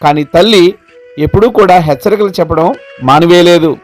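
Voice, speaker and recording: A man narrating a Christian moral story for children, preaching slowly and addressing them directly. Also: fairly high pitch, faint music behind.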